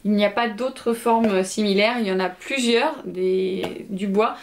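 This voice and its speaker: A young woman chats casually at home, hesitant and full of fillers. Her pitch sits in a middle range. Faint background noise runs under the voice. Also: unhurried. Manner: chatty, hesitant, many fillers. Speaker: vlogger. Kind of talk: casual haul video chat.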